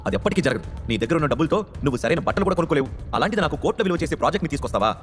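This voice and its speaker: A man's voice: on the high side, lively intonation, very fast, in a large hall, soft background music, voice pushed up, close to an everyday voice. A man voicing a proud, angry young woman from a wealthy family who answers sharply and dismissively.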